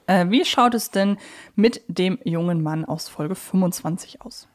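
A woman's voice: fairly low pitch, unhurried. A woman co-hosting a podcast, discussing fictional characters in a casual, thoughtful and opinionated way. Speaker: podcast co-host. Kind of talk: casual fan discussion of audio drama characters.

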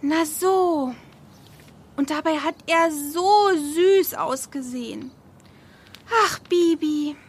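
An actress playing a touchy, lovestruck thirteen-year-old schoolgirl in a children's audio drama, earnest and expressive. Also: high voice, slow pace, pauses often. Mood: dreamy, smitten.

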